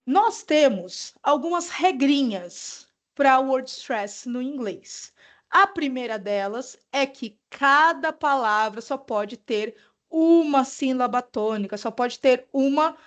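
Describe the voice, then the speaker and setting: A woman teaches a pronunciation lesson in a high, bright-pitched voice. She speaks slowly and patiently, pausing often to check that her students follow. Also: animated. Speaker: English teacher. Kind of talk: classroom lesson explanation.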